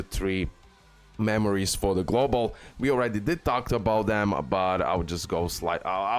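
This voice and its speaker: A man's voice: lowish voice, clean tone. A man hosting a gaming video, giving casual, informal guide commentary peppered with bro and okay.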